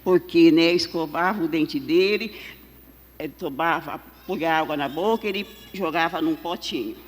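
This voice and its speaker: A woman giving an emotional church testimony in a halting way, full of filler tags and restarts. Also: low voice. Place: large church hall. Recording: long reverb of a church hall.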